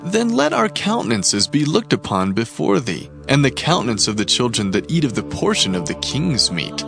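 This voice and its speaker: A man's voice: medium pitch, sing-song, normal speed, vocal fry, music in the background. A man playing a humble, earnest young captive in a dramatized scripture reading, making polite entreaties. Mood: earnest, respectful.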